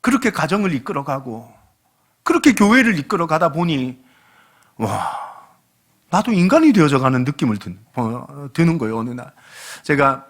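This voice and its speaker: A pastor in his late forties preaching a sermon, his voice swinging widely up and down as he tells stories. He is animated and humorous, slipping into other people's voices as he talks. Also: fairly high pitch, normal speed. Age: late 40s. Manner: animated, humorous storytelling that acts out quoted dialogue. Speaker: guest pastor.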